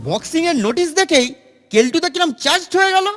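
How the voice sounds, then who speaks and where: A man's voice: extremely high pitch, lively intonation, fast talker, in a large hall, loud music behind the voice. A man voicing a sensible, wary schoolboy in a children's cartoon, with an earnest delivery. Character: sensible, wary schoolboy, friend of a smaller boy. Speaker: cartoon voice actor. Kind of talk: Bengali children's cartoon dialogue.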